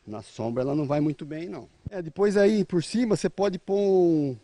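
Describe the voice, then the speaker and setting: A man's voice: a little high, lively intonation, moderate pace, warm tone, no room sound. A man in his thirties from Brazil, a rural producer plainly explaining how to plant, speaking outdoors into a reporter's handheld mic. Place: outdoor garden.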